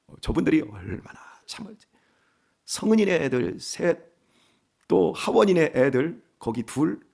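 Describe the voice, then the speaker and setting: Gravelly, husky pastor in his fifties. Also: high-pitched. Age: 50s. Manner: conversational and animated, acting out family quarrels. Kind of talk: early-morning sermon. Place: church sanctuary.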